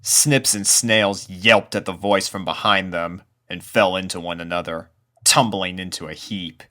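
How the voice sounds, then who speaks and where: A man reading scripted spooky fiction as narrator, in a measured way with dramatic pauses. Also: sits low, fairly even intonation, sharp tone. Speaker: narrator, fan fiction reader.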